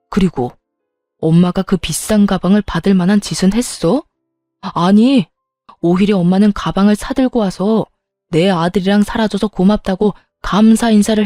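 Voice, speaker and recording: A woman's voice: medium pitch, mellow, dry recording, clean studio sound, lightly acted. A woman reading the lines of an exasperated adult son confronting his mother, in a raised voice. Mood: angry.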